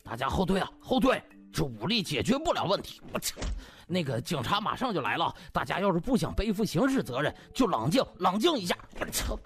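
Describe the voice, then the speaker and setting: A man's voice: high-pitched, very animated, fairly quick, hardly any pauses, a bit bright, faint music behind, exaggerated voice. Man playing a sly, two-faced doctor. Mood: mock urgent. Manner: exaggerated, repetitive pleading. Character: sly male doctors feigning concern, gleefully two-faced.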